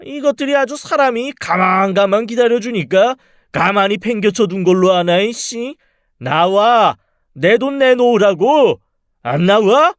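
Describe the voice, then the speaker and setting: A man's voice: high-pitched, expressive, unhurried, no echo, studio quality. A man playing a menacing, money-grubbing father in an audio drama, coarse, mocking and bullying in manner. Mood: threatening rage. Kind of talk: dramatized audio story acting.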